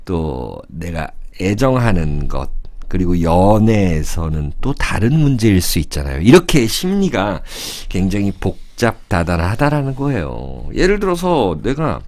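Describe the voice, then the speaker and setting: A man's voice: sits low, sing-song, a little slow, darkish tone. A man in his fifties lecturing in a casual, conversational way about fortune-telling charts, thinking aloud and asking rhetorical questions as he sketches.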